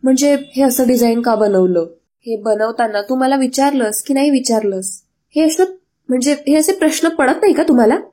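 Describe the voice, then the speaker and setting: A woman voicing a defiant, sharp-tongued young daughter-in-law who talks back indignantly. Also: high voice, normal speed. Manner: indignant, challenging.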